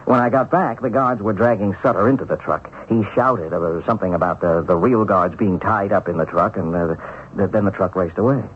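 A man acts out an earnest, hesitant schoolteacher husband in a seventies radio play. His voice sits low and halts as he searches for words. The broadcast recording is dull, with faint hiss. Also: natural voice. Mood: hesitant, recounting. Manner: hesitant, halting. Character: earnest ex-bank teller turned schoolteacher husband, hesitant, puzzled. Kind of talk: 1970s radio drama acting.

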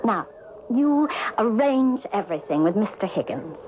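A woman's voice: medium pitch, big pitch swings, moderate pace, heavy background noise, natural voice. A woman playing an emotional, romantic wife who narrates a mystery in a radio drama. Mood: excited. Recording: tinny old radio broadcast.

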